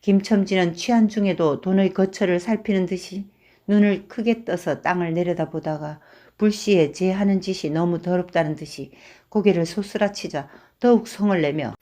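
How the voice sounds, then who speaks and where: A woman calmly narrating a short story in measured tones. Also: lowish voice. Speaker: reader.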